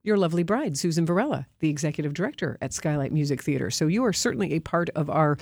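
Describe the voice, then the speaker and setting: A woman's voice: deep voice, lively intonation, fast, a little mellow, husky, no room sound, clean studio sound. A woman hosting a radio interview, upbeat and chatty as she introduces her guest. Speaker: radio host.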